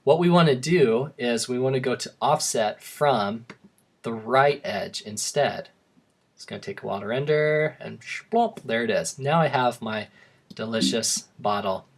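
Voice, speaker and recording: A young man talks through a design tutorial in a loose, chatty way, tossing in joking asides. His voice is worn and slightly hoarse from too many takes. It sits at an ordinary middle pitch. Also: measured pace. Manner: casual, rambling, self-deprecating asides. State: voice going hoarse from repeated takes. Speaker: software tutorial host. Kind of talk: screen-recorded tutorial narration.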